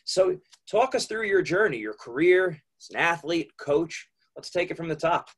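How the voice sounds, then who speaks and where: A man's voice: a little high, big pitch swings, moderate pace, fairly bright tone, breathy edge. A man hosting an interview show, welcoming his guest and prompting him with friendly questions. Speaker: podcast host. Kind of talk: casual interview.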